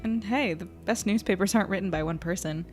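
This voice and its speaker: A woman's voice: medium pitch, fairly quick, darkish tone, faint music behind, natural voice. A woman playing an earnest, tired young woman reporter in an audio drama, with dialogue and first-person narration. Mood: warm, sincere.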